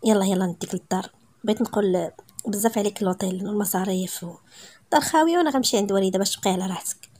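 A woman reading a calm, caring young man. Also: mid-range voice, very fast, natural voice. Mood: gentle. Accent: Moroccan.

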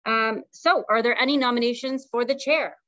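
Woman chairing a meeting, highish voice, kinda dull dry audio. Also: fairly even intonation, moderate pace, fairly bright tone, dry recording. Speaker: meeting facilitator. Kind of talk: procedural meeting talk, partly read out. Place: meeting room, hybrid video call.

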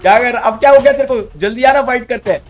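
A man giving live commentary while playing a game, excitable and repeating his words in quick bursts. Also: extremely high pitch. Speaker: gamer streamer.

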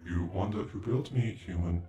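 A man's voice: low voice, moderate pace, warm tone. A man playing an ancient alien android in a sci-fi ASMR roleplay, speaking in formal, stilted, condescending phrases with glitchy robotic stutters. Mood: commanding. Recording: echoing, with music behind.

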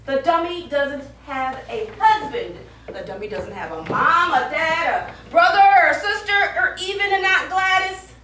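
A woman's voice: very high voice, animated, moderate pace, hardly any pauses, sharp tone, heavily acted. A woman acting on stage as an exasperated, sarcastic boss figure reasoning with a deluded performer in a comedy play. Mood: baffled, insistent. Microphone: far camera. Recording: very echoey theatre, distant, faint noise.

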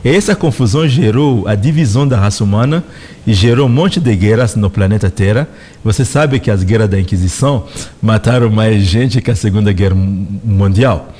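A middle-aged man with a Congolese accent speaks slowly and thoughtfully into a close studio mic. His voice sits fairly low, and he explains each point with care, as a guest answering interview questions in a radio studio. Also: warm tone. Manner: measured, reflective explaining. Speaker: representative of a spiritual organization, guest. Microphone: studio microphone close in front.

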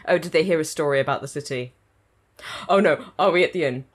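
Gushing, excitable woman with a husky voice. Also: deep voice, fast. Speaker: anime reaction channel host. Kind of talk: excited reaction commentary. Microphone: own desk microphone.

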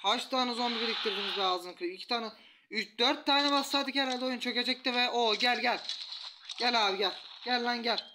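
A man commentating a mobile strategy game, taunting the enemy troops with rough slang. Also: very high voice, normal speed. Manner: taunting, trash-talks enemies, rough slang. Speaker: gaming YouTuber. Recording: loud background noise.

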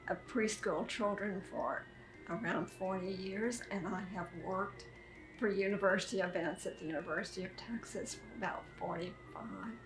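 An elderly woman reading aloud to young children as a preschool teacher, with simple, deliberate phrasing. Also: medium pitch. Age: 70s or older. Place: furnished sitting room indoors. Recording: echoey room, music behind.

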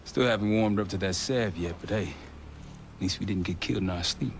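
An actor playing a male squad leader briefing his team in a game cutscene, brisk and matter-of-fact. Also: deep voice, creaky, a little hiss or hum. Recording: loud game music behind.

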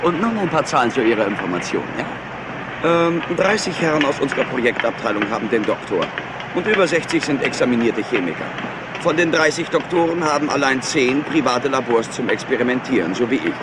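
A man's voice: medium pitch, lively intonation, a little fast, very noisy, close to an everyday voice. Man acting a cocky, brainy young chemist. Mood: mocking, assured. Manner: smug, teasing, self-assured. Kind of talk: German crime drama acting.

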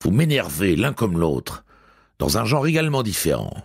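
A man's voice: fairly low pitch, big pitch swings, normal speed, gravelly, husky, dry recording, studio quality, pitched above the performer's own voice, heavily acted. A man voicing a blunt, impatient older woman in an audiobook.

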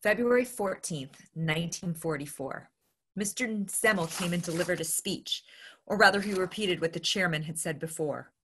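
A woman's voice: on the low side, moderate pace, fairly bright tone, a little hiss or hum. A woman in her thirties reading a diary aloud into a webcam at home. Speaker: diary reader. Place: dim room at home. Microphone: computer webcam.

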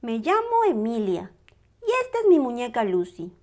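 A woman's voice: fairly high pitch, wildly swooping pitch, normal speed, a little mellow. A woman voicing a friendly, sweet little girl in a storybook, chatty and childlike.

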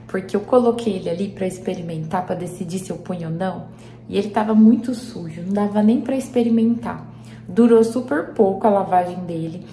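A woman's voice: medium pitch, warm tone, a little hiss or hum. A Brazilian woman vlogging in a casual, chatty way, with a roomy echo from a bare living room. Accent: Brazilian Portuguese. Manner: chatty, keeps addressing viewers as friends. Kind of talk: casual vlog chat to viewers. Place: large living room with bare glass doors, indoors. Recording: echoey, half-empty room.

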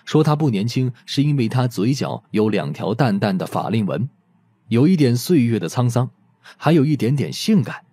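A man narrating a mystery audiobook in an expressive storytelling manner. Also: mid-range voice, normal speed, slightly rough, no room sound.

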